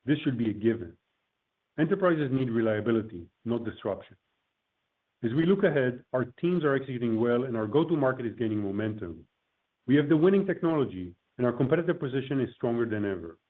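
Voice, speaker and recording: Male executive, medium pitch, formal scripted corporate delivery, narrow telephone-conference audio. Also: expressive, fairly quick. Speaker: company executive presenting on an earnings call. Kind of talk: prepared corporate remarks, read from a script. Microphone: conference call line. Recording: tinny phone-line conference call audio.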